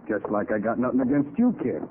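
An actor playing a cocky, slangy gangster killer in a 1940s radio crime drama. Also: male voice, medium pitch, expressive, moderate pace, narrow, tinny audio, close to an everyday voice. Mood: smug, cold. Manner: tough slangy gangster talk. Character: cocky male gangster killer and swindler holding a gun. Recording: scratchy, thin 1940s radio recording.

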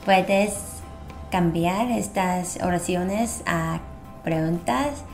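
A woman co-hosting a language lesson, repeating example words crisply. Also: lowish voice, darkish tone, soft background music. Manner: quick, crisp word repetition. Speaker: native-speaker co-host. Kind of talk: lesson drills.

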